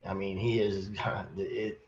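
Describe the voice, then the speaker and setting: A man co-hosting a casual podcast, hoarse from a cold, telling a rambling, animated story with many restarts. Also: low voice, slow, lo-fi sound, a little hiss or hum. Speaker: podcast co-host, sales manager.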